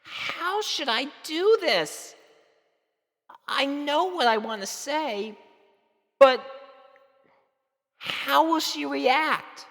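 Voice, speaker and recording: A woman voicing a shy, nervous young girl pony in a fan fiction audio drama, with hesitant, halting speech. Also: high voice, expressive, vocal fry, a bit bright, exaggerated voice. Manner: hesitant, halting, full of ums.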